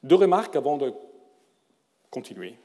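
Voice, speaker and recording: A middle-aged man who is not a native speaker of the language, giving a formal prepared lecture with a careful, measured delivery and occasional self-corrections. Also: medium pitch, very animated, warm tone. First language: not French. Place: lecture hall. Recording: long reverb of a lecture hall.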